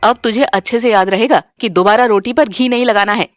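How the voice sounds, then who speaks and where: A woman voicing a cruel, scolding middle-aged stepmother in an animated story. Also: on the high side, fairly quick, no echo, clean studio sound, natural voice. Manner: scolding, sneering.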